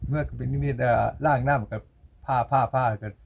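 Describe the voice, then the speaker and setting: A man's voice: medium pitch, brisk, vocal fry, highs cut off, slight background noise. Older Isan man, plain talk. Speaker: villager interviewee. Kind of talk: casual chat.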